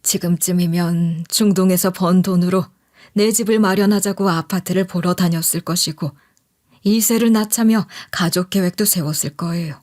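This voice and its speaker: A woman's voice: lowish voice, steady tone, moderate pace, a little mellow. A woman reading a scripted first-person life story as a narrator.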